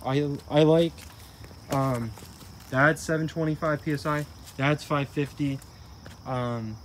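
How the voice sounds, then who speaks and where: A tool reviewer with a slightly high voice walks through a hands-on test in a relaxed vlog, recorded on a body-worn, first-person camera along a garden path next to a tree. He meanders, restarts and fills pauses with "um," while faint insect and outdoor noise plays underneath.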